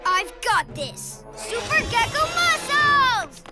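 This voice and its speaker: A performer voicing an eager, excitable little boy lizard superhero in a cartoon, earnest and exclamatory. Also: very high voice, slow, exaggerated voice. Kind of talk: animated cartoon voice acting. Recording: loud music underneath.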